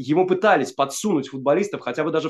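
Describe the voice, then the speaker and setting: Speaking very fast, a man shows ordinary variation in his pitch. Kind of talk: casual chat. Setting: remote call from home.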